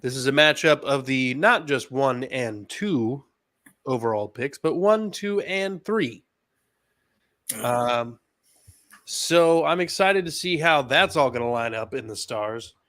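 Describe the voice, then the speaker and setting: A man's voice: mid-range voice, animated, slow, fairly bright tone, dry recording. Laid-back Southern man, dry close sound. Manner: laid-back, reads injury lists with hesitations. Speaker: podcast co-host. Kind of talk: casual sports chat.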